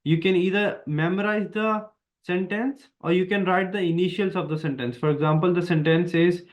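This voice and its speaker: Indian-accented man teaching, slightly higher voice. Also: fairly even intonation, normal speed. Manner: explanatory, repetitive, emphatic. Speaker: exam prep teacher. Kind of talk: online lesson with slides. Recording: dull lo-fi sound.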